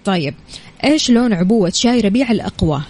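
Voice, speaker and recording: A woman's voice: mid-range voice, lively intonation, fast, a little mellow, slightly rough. A woman with a Saudi accent hosting a live morning radio show, chatty and speaking straight to her listeners. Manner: chatty, addresses listeners directly. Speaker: radio host.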